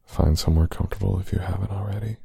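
A man doing an intimate ASMR roleplay, speaking softly in a breathy whisper close to the ear. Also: low-pitched, steady tone, rapid-fire, no echo. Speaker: ASMR performer.

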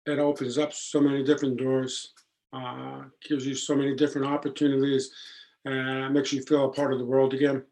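Male podcast guest, deep flat voice, earnest with ums and restarts. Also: fairly quick, low-quality recording. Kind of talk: casual podcast conversation.

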